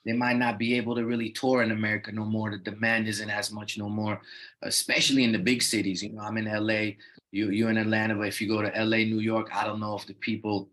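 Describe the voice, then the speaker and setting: Talking fast with a fairly low, slightly bright voice and little pitch movement, this young man is a rapper raised in the Netherlands. He's an interview guest in a casual conversation, relaxed and loose, leaning heavily on "you know what I mean."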